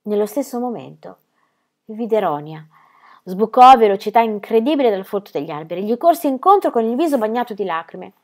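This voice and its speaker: A woman reading a children's story aloud, measured and expressive, with hushed, sad passages. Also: mid-range voice. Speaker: narrator.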